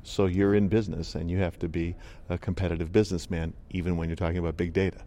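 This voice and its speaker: A man hosting an interview podcast, asking questions in a measured, conversational way. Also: sits low, level tone, warm tone. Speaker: radio podcast host. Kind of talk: interviewing a guest.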